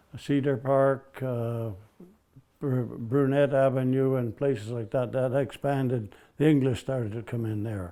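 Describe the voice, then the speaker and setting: A man with a Montreal accent talks at a fairly slow pace in a dark, mellow tone, his intonation fairly even. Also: medium pitch for a man. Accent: Montreal English Canadian. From Quebec, West Island of Montreal. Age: 80s+. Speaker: retired airline labor relations director. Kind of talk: interview, personal reminiscence.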